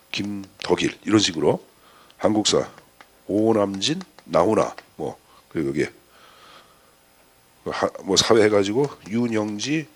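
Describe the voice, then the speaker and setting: Man, exam-prep lecturer, animated pitch, rhetorical questions. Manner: chatty, rhetorical questions to students, lively asides.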